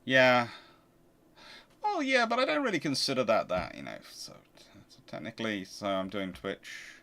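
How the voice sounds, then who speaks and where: A man's voice: mid-range voice, sing-song, moderate pace, pushed and bright. A man hosting a livestream in a casual, chatty way, answering viewer questions and often repeating words as he restarts phrases. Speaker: livestream host.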